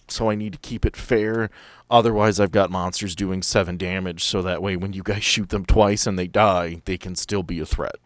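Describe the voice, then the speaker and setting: Low-voiced man as game master. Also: dry recording, studio quality. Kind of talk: casual talk explaining tabletop game rules.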